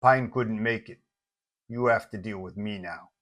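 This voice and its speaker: A cold supervillain henchman, played by a male narrator, speaks with slow menace and fixed purpose. He sounds like a comic-book enforcer delivering threats in an audio story. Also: on the low side, fairly bright tone. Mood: menacing. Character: menacing electric-powered villain minion, cold and purposeful.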